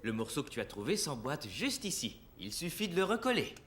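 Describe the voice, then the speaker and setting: An actor voicing a patient, kindly, playful dad in a French-dubbed preschool cartoon, encouraging and gently teasing. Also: mid-range voice, sing-song, a little fast, a little hiss or hum.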